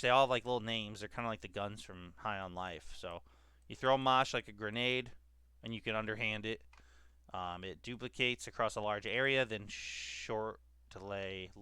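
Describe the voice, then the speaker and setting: A man's voice: on the low side, bright, forceful tone, smooth, dry recording, clean studio sound. A young man with a stuffed-up cold, chatting casually about a game and reading out ability text with lots of fillers. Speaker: gaming YouTuber and esports journalist. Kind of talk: casual gaming commentary to camera.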